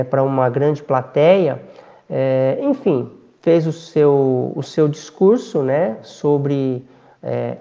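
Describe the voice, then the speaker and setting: A man giving a spiritist lecture, speaking slowly and reflectively, with frequent hesitant fillers between phrases. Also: fairly high pitch, gravelly, warm tone, lo-fi sound.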